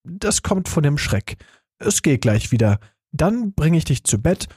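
A gentle, helpless father, as a male reader does him, soothing and apologetic in slow, husky speech. The sound is close and dry, like a storybook recording. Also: a little high, big pitch swings, dry recording, full character voice. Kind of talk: audiobook reading.

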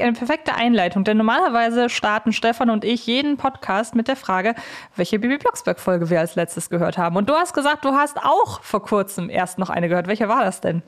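A woman hosting a podcast in an informal, talkative way, addressing listeners and guest directly. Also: a little high. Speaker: podcast host. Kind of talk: chatty podcast introduction and interview.

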